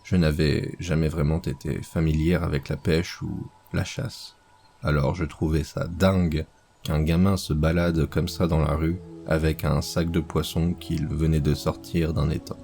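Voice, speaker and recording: A man reading a horror story aloud as scripted narration, slow and measured. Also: extremely low pitch, little pitch movement, vocal fry, dark tone, a little hiss or hum.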